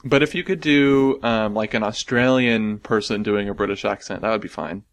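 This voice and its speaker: Laughing low-voiced American podcast host. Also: male voice, moderate pace. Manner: rambling, self-deprecating, laughs often. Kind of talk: casual podcast chat.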